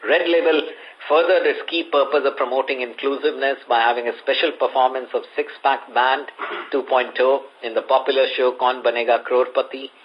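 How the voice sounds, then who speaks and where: A man with an Indian accent, reading a prepared earnings presentation as a company executive on a conference call. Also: mid-range voice. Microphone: conference call line. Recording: muffled conference call audio.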